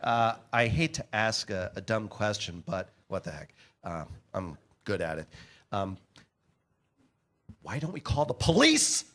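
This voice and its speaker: A man's voice: on the low side, big pitch swings, a little slow, a bit bright. Man acting a goofy, eager comic sidekick, wildly swooping. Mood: sheepish, earnest. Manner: stammering, earnest, prone to bellowing. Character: goofy, dim, eager male sidekick and struggling actor. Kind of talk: staged comedy screenplay reading. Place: live staged reading in a church.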